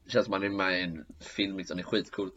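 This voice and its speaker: A man's voice: deep voice, fairly even intonation, fairly bright tone, dull audio, slight background noise. A man chatting casually, rambling with many fillers. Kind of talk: casual chat.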